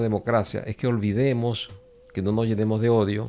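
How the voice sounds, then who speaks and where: Music plays in the background as a man speaks at a very fast pace and a medium pitch. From Venezuela. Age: 60s. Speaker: professor and writer. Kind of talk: interview.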